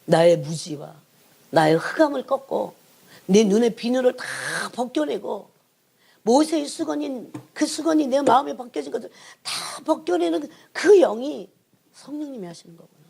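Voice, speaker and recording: A woman's voice: high-pitched, lively intonation, moderate pace, gravelly, slightly rough. Emphatic Korean woman preaching a sermon. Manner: emphatic, prods the congregation with repeated "예?"; swings between raised emphasis and hushed asides. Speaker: church evangelist, prayer team leader.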